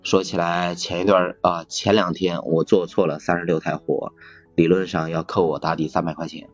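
Low-voiced man chatting, repeating himself. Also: little pitch movement, moderate pace. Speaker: podcast speaker, factory assembly worker. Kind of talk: casual chat. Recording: slightly dull, music behind. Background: music.

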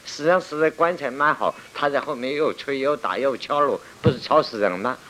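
A man teaching Buddhism to a seated audience, telling it lively, acting out cries and scolding his listeners. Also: mid-range voice, a little fast, a little hiss or hum. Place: lecture room with listeners.

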